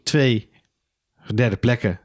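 A man co-hosting a casual racing podcast, talking quickly with many fillers and dry jokes. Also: mid-range voice, no echo. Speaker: podcast co-host. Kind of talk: casual Formula 1 chat.

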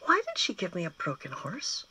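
A woman's voice: on the low side, huge pitch swings, normal speed, pushed and bright, slightly rough, dry recording, exaggerated voice, low-quality recording. A woman reading aloud and voicing an earnest, curious young boy with eager questions.

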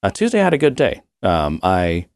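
A man with a cold and a nagging cough chats casually as a podcast co-host. His low voice swoops around a lot as he rambles quickly and laughs. The sound is dry and close. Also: smooth, no echo. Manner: rambling, lively, laughs often. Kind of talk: casual chat.

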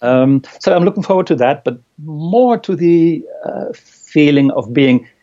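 Careful, hesitant male guest, mellow tone, dull lo-fi sound. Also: on the high side, lively intonation, a little slow. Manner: hesitant, many uh fillers, careful phrasing. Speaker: interview guest. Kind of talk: casual interview chat. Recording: dull lo-fi recording.

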